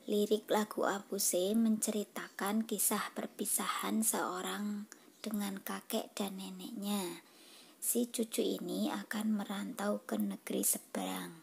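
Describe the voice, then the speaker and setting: Woman teacher, unhurried and hushed, patient with children, mid-pitched. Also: gravelly, slightly rough. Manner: slow, patient, addresses children directly. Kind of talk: reading a schoolbook lesson aloud and singing.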